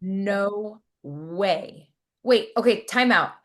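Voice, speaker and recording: A woman hosting a casual podcast interview, reacting quickly and eagerly to what her guest says. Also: mid-range voice. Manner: excitable, quick to react with surprise. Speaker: podcast host.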